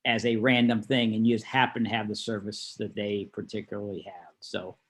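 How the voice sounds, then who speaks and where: A man's voice: lowish voice, little pitch movement, brisk, a bit bright, a little hiss or hum. A man working as a class instructor, explaining things conversationally in an informal online lesson. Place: online video call.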